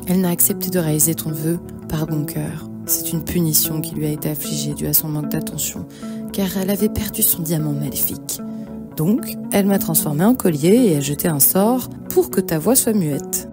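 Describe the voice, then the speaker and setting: A woman's voice: low voice, a little fast. A woman voicing a wise, grateful talking parrot in a cartoon fairy tale, explaining and reassuring. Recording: music behind the voice.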